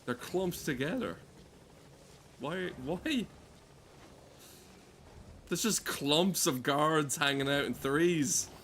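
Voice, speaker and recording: A man's voice: a little high, lively intonation, slow pace, pauses often, fairly bright tone, a little hiss or hum. A man streaming a game with casual, rambling commentary, sardonic and given to swearing.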